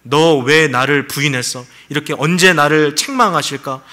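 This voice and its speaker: Bright-voiced man preaching conversationally. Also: on the high side. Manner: conversational preaching with rhetorical questions. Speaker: pastor. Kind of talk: sermon.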